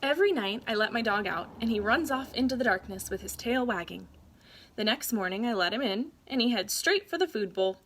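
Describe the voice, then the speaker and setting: A woman reads a children's storybook aloud in a very bright, slightly high voice. She works as a teacher would, shaping each phrase with care and a sense of drama for young listeners. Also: animated, a little fast, rough recording. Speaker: teacher reading aloud to pupils.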